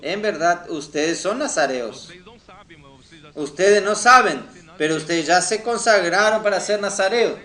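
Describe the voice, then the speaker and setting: A man's voice: high voice, expressive, measured pace, sharp tone. A man preaching a teaching sermon to teenagers in a didactic way, often putting questions to his listeners. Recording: roomy, echoing sound.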